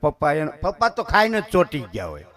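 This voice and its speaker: A man's voice: on the high side, huge pitch swings, a little fast, a bit bright. A man giving a devotional sermon in a folksy, conversational way, often calling his listeners bapu. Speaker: katha preacher.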